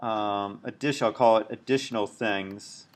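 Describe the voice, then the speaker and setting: A middle-aged man with a big, loud voice, giving a recorded university lecture while writing on a tablet, slow and deliberate. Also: on the low side, steady tone. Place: at a computer, screen recording.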